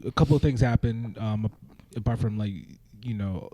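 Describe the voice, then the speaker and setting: A man's voice: on the low side, moderate pace, dark tone, dry recording. A man from Tanzania speaking as a podcast guest, hesitant and full of fillers. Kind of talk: casual chat.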